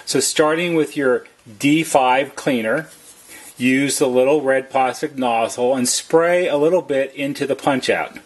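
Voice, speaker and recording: A service technician narrates a tutorial in a slightly husky, mid-range voice, taking his time. He explains plainly and methodically, one step after another.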